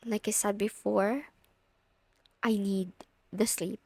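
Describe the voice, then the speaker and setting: A woman's voice: mid-range voice, fairly even intonation, takes it slowly, gravelly, dark tone, slightly rough, dry recording, exaggerated voice. A young woman playing a friend's teasing, bossy older sister in an intimate ASMR audio roleplay, casual and lightly exasperated. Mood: tired, insistent.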